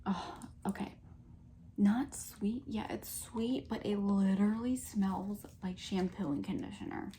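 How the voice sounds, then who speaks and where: A young woman in a soft-spoken ASMR chat, rambling casually with lots of fillers and giggles. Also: medium pitch, unhurried, a little hiss or hum. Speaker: ASMR creator.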